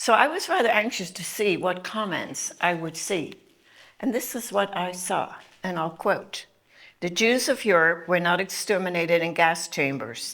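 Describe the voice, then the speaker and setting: On a very clean recording with a silent background, a woman with a slight Dutch accent speaks at medium pitch and a moderate pace, her intonation lively. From Netherlands. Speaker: Holocaust survivor speaker. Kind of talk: testimony talk. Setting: speaking to a club audience.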